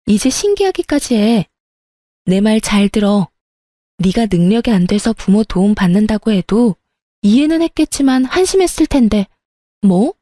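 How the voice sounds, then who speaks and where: A woman voicing a sharp-tongued young woman who breaks off her engagement, speaking bluntly and cuttingly. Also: on the high side, no room sound, clean studio sound, natural voice.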